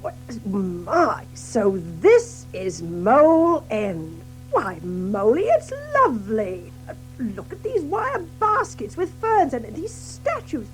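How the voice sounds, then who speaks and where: Hearty water rat fellow, high voice, super animated, kindly and bustling, old-timey chummy, storybook radio play. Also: female voice, takes it slowly, soft background music, heavily acted, poor audio. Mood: cheerful, encouraging. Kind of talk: audio drama storybook acting.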